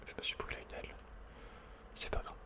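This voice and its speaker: Whispering man, ASMR game commentary. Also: a little fast. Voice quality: breathy, unvoiced whisper. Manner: playful, casual, slangy. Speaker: video game streamer and ASMR creator.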